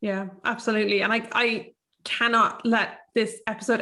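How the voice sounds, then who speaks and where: A woman speaks in an Irish accent at a fairly high pitch with fairly even intonation. The recording is very clean, with a silent background. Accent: clearly Irish. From Ireland. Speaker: podcast host. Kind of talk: podcast interview.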